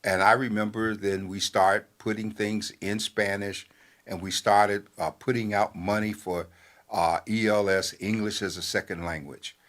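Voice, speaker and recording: An older man, a newspaper editor, giving talk-show commentary in a measured, halting way with many fillers. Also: on the low side, fairly even intonation, a bit bright.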